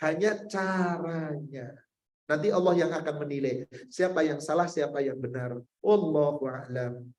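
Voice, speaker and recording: A man with a notably high voice delivers a sermon to a congregation. He talks conversationally, keeps asking his listeners questions and addresses them directly as sir and madam. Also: measured pace, a little mellow. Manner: conversational, asks the audience many rhetorical questions. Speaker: preacher. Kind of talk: Islamic sermon with Q&A.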